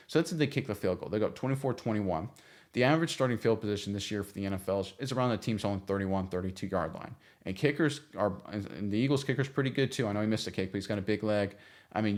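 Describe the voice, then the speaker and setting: A male sports host talks through viewer comments in a loose, conversational way. His voice sits a little low, and he often restarts his sentences and drops in fillers as he thinks aloud. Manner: chatty, frequent restarts and fillers, animated when retelling.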